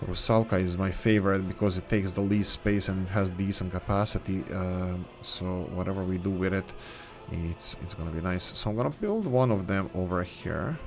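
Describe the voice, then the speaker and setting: A low-pitched man speaks at normal speed with few pauses, hosting a gaming video in English, which is not his native tongue. He builds while musing aloud in relaxed let's-play style, drifting into tangents and correcting himself.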